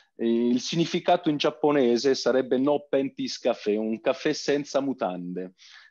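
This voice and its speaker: Against a quiet background, a man talks at a moderate pace with lively intonation and hardly any pauses. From Belgium, Italian family. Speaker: rock band musician; guest. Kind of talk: interview. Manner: halting. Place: home room. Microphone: video call.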